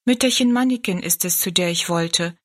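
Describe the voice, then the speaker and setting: A woman doing a high, earnest little girl. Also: normal speed, dry recording, studio quality, close to an everyday voice. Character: eager young girl searching for an old friend.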